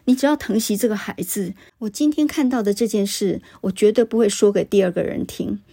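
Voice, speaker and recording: Lady reading a rough stern village hunter guy, firm, warm and a bit husky. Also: medium pitch, fairly quick. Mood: stern pleading. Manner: firm, lecturing.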